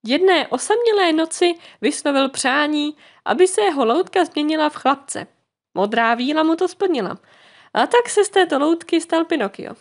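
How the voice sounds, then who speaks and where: A woman reading a children's fairy tale aloud as an audiobook narrator, lightly voicing the characters. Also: high voice. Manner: expressive, voices the characters lightly. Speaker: storyteller.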